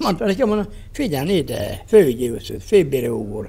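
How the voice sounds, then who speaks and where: At a fairly slow pace, a man's high-pitched voice carries a dark, mellow tone. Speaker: retired bishop. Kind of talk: testimony. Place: home room.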